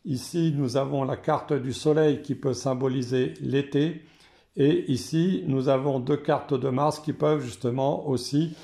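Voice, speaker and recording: Hoarse French man, gravelly and mellow, unhurried card reader with frequent fillers. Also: medium pitch, steady tone. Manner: slow and hesitant, frequent "euh" fillers. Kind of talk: casual explanation to camera.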